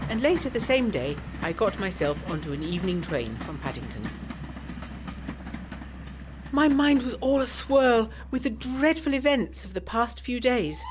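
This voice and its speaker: A woman's voice: medium pitch, slight background noise, close to an everyday voice. An actress playing an earnest, anxious young Englishwoman of the 1920s, reading her letter in formal, articulate English tones for a gothic audio drama. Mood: urgent, confiding. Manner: formal, articulate, expressive period diction.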